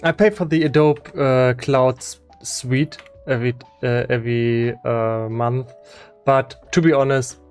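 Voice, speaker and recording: A man's voice: medium pitch, fairly even intonation, soft background music. German-accented man chatting on stream. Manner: halting, many restarts and fillers, laughs often. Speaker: game developer streamer. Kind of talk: casual live-stream chat.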